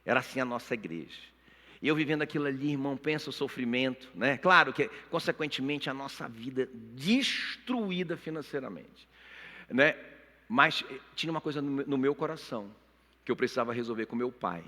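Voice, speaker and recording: Bright-voiced pastor preaching in a reverberant hall. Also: male voice, mid-range voice, animated, brisk. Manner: emotional storytelling, repeatedly addressing the congregation. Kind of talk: sermon with personal testimony. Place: church auditorium. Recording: long reverb of a church hall.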